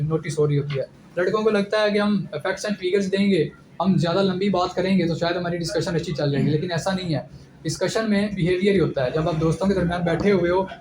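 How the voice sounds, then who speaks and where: A young man with a high voice gives direct, instructive pointers in an informal lecture. The room rings with echo, and a steady background noise sits clearly under his voice. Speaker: ISSB candidate giving advice.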